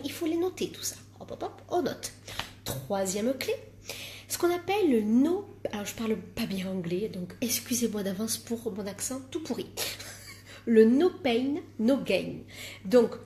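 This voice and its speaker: A woman's voice: mid-range voice, darkish tone, a little hiss or hum. A woman life coach giving a live-streamed coaching talk, emphatic, repeating words for stress and joking at herself.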